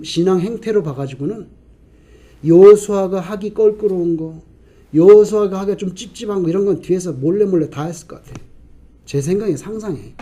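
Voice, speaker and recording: A man preaching a sermon as a pastor, putting rhetorical questions to the congregation and answering them himself, swinging between loud emphasis and quiet asides. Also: high voice.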